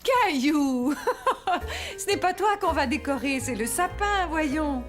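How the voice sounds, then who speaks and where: A cheerful, affectionate cartoon mother. Her voice is high and animated, with a teasing manner and faint music behind. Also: slow pace, exaggerated voice. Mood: amused. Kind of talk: children's cartoon voice acting.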